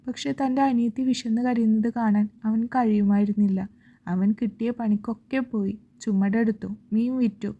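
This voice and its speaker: A woman narrating a romance story in a steady, even reading manner, on a dull lo-fi recording. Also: a little high, normal speed.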